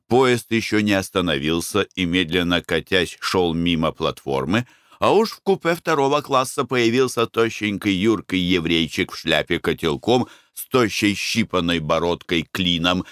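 A man reading a novel aloud as an audiobook narrator, measured and expressive. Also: sits low, clear, resonant tone, dry recording, clean studio sound. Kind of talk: scripted narration.

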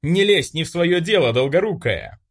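A man's voice: on the high side, animated, moderate pace, husky, voice pushed up. A man voicing an arrogant, hot-tempered young male noble mage who shrieks hysterically. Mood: furious.

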